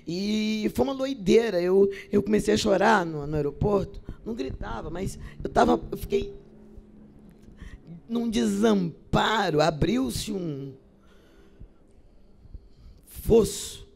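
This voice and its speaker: A middle-aged Brazilian actress and poet tells lively stories to theater students, acting out each exchange with shifting voices in an expressive, theatrical way. Her voice is medium-pitched and creaky, her pace unhurried, with long pauses.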